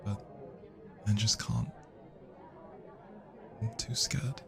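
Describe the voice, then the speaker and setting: A man acts out a smitten, bashful young British student in an intimate audio roleplay. His voice is lowish and unhurried, hesitant and soft, often slipping toward a whisper. Party chatter murmurs behind him. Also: big pitch swings, vocal fry, full character voice. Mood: anxious. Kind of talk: intimate roleplay ASMR acting. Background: party music and crowd chatter.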